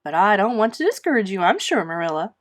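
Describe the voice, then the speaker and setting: A woman's voice: medium pitch, very animated, quick pace, natural voice. A woman voicing a blunt, disapproving older busybody neighbour in a storybook, emphatic and bossy. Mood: gloomy.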